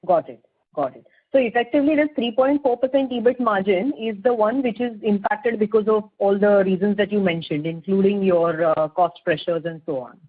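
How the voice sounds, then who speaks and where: A woman's voice: medium pitch, normal speed, breathy edge. A woman asking questions as an investor on a formal conference call, wordy and hesitant in her phrasing. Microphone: phone. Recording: muffled narrowband phone line.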